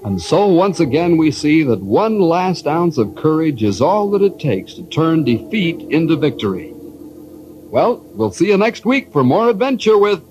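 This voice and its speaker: A male radio announcer closes the episode in a solemn, moralizing tone, with a high, lively voice. The sound is dull and lo-fi, like an old broadcast transcription with a faint hiss. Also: measured pace, faint music behind. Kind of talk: 1950s radio closing narration.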